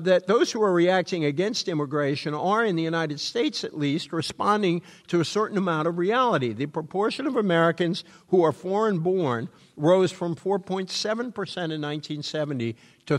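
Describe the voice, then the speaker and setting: A man from New England whose first language is French, reading a prepared lecture at a measured pace with frequent ums and uhs. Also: on the high side. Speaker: speaker giving a public lecture. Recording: long hall reverb.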